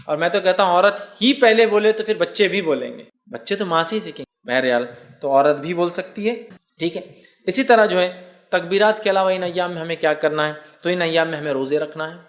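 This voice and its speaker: A man giving a language religious talk as a preacher, explaining step by step and reciting Arabic phrases slowly. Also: sits high. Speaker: Islamic preacher. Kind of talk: sermon.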